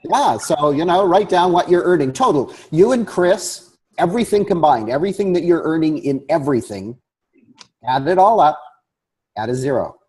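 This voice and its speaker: A man's voice: fairly high pitch, expressive, moderate pace, warm tone, breathy edge. A man taking part in a group coaching call, earnest and restating his points.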